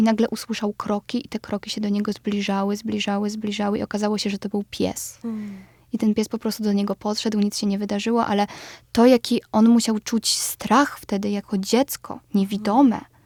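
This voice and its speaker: A woman's fairly high, somewhat breathy voice at a moderate pace, monotone and flat in intonation, in a dry, close sound with no echo. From southeastern Poland (Podkarpacie). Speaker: acting student and playwright. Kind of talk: interview.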